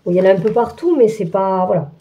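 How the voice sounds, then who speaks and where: A woman's voice: mid-range voice, animated, fast talker, muffled recording. A woman hosting a craft channel, chatting through an unboxing with many fillers and restarts. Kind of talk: casual unboxing walkthrough.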